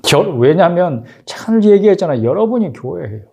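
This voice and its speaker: A man's voice: high-pitched, very animated, moderate pace, creaky, darkish tone. A man preaching a sermon as pastor, exhorting his congregation with rhetorical questions.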